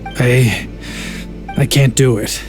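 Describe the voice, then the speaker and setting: A man's voice: mid-range voice, takes it slowly, music in the background, natural voice. A man voicing a desperate family man in a video game, earnest, agitated and protesting. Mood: anguished refusal. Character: desperate family man turned unwilling informant, defiant.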